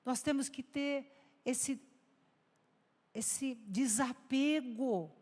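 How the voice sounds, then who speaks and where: High-voiced woman pastor preaching in a hall. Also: extremely slow, darkish tone. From Brazil. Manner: emotional storytelling, rising to fervent exhortation. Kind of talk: sermon with personal testimony. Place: large church hall.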